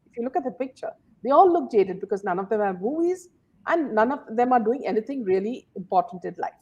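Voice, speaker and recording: A woman's voice: fairly high pitch, animated, quick pace, darkish tone, breathy edge, lo-fi sound. A woman hosting a casual commentary talk, filling her sentences with "uh" and "you know". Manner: many fillers and "you know"s. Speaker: host.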